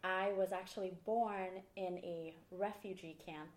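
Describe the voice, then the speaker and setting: A woman from Sweden, a podcast guest, telling her story in a lively, candid way. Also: fairly low pitch, unhurried, echoey room. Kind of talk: casual interview talk.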